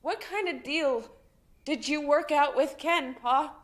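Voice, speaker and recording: Bitter rich daughter, high voice, sharp and accusing. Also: female voice, measured pace. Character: wealthy man's bitter, unhappy grown daughter.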